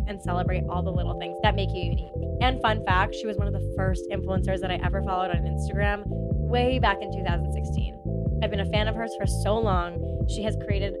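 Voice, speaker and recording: A woman hosting a podcast, talking with gushing enthusiasm and lots of "like" while getting over a cold. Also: medium pitch. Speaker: podcast host. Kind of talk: upbeat podcast intro and chat.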